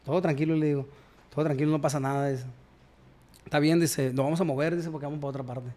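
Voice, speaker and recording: A man tells stories as a guest in a casual chat, his voice sitting a little high. He talks in slang and acts out both sides of every exchange. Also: fairly even intonation, fast talker, warm tone. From Culiacán, Sinaloa, Mexico. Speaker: guest musician.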